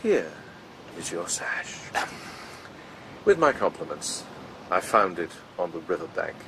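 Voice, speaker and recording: A proud poet-swordsman in a radio play. His lowish voice moves through very animated intonation, eloquent and wry, with theatrical panache and faint noise behind. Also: takes it slowly, heavily acted, rough recording. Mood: proud, defiant. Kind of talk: radio drama acting.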